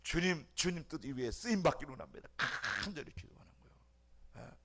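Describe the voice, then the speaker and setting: A middle-aged male pastor preaching a sermon, swinging from loud cries to hushed whispers and repeating phrases for emphasis. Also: on the high side, sing-song, a little fast.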